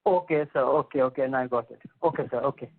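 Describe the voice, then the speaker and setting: A man's voice: mid-range voice, fast, breathy edge. A man with an Indian accent, an individual investor calling in with deferential questions. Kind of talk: deferential questioning on earnings call. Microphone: telephone. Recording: tinny telephone line.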